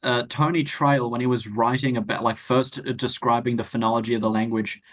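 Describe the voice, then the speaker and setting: A man's voice: medium pitch, steady tone, brisk. A man, chatting casually and telling anecdotes with a dry, wry humour.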